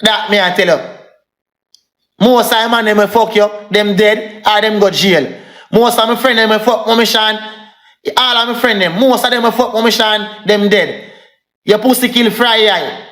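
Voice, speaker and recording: A man's voice: high-pitched, moderate pace, a bit bright, reverberant. A young man with a Jamaican accent ranting angrily on a live stream, repeatedly calling out to his viewers. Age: young adult. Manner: repetitive, addresses viewers as people. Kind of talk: angry live-stream rant.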